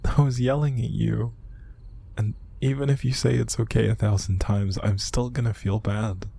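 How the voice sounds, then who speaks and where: A man acting an upset, exhausted young man in an intimate audio roleplay, speaking in a hushed, halting, breathy and gravelly voice. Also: on the low side, steady tone. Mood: guilty, apologetic. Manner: halting, sighing, hushed, naturalistic delivery. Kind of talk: intimate audio roleplay monologue to an unseen listener.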